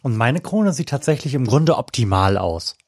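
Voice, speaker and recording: A man's voice: mid-range voice, sing-song, moderate pace, a little mellow. Man hosting with wry, elaborate wording. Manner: wordy, ironically elaborate phrasing. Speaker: podcast host. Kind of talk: casual chat.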